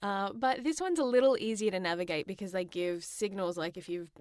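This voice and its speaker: A woman's voice: mid-range voice, fairly quick, darkish tone, clear, resonant tone, dry recording. Casual Australian woman chatting, close dry sound. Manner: giggly, chatty. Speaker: podcast co-host. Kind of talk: casual gaming chat.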